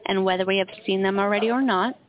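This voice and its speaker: A woman working as a home buyer's phone agent, delivering a steady, rehearsed sales pitch. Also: quick pace. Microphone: telephone. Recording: tinny phone line with clear hiss.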